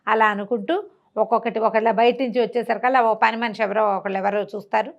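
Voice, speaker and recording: A woman's voice: on the high side, fairly even intonation, fast talker, creaky, highs cut off. A woman retells a classical tale conversationally, acting out the dialogue and posing rhetorical questions as she goes. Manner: acts out characters' dialogue, asks rhetorical questions. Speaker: storyteller.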